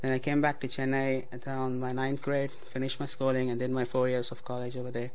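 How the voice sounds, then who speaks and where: This young adult student from Tamil Nadu speaks Tamil as his first language and has a South Indian accent. His mid-range voice is completely flat, quick, and a little mellow, with a bit of hiss or hum. He explains things as he reads a passage and then gives an unscripted personal account.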